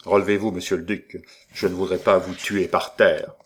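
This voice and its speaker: A man's voice: low voice, flat delivery, measured pace. A man voicing a cold, commanding grey-bearded nobleman in black, speaking in a cutting, imperious way in an audiobook. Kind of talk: audiobook character voice.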